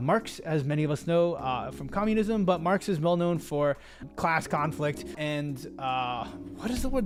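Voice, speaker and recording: Over music in the background, a man with a high pitch and lively intonation talks at a moderate pace. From US Midwest. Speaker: VTuber and academic educator. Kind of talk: lecture. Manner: casual, hesitant with fillers.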